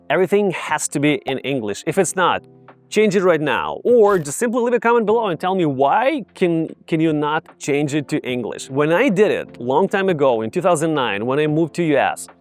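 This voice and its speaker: A man from Ukraine with a Ukrainian accent, casually teaching viewers to camera in an upbeat, direct way. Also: fairly high pitch. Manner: upbeat, direct, addresses viewers as "you guys". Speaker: English tutor.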